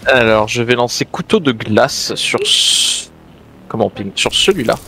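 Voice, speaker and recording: A man's voice: medium pitch, animated, measured pace, bright, forceful tone, slight background noise. A man playing a tabletop role-playing game, casually talking through his move and the rules.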